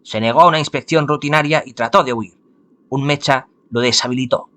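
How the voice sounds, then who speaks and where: A man's voice: medium pitch, fairly quick, a bit bright, natural voice. A man voicing a dutiful samurai messenger, giving a formal report.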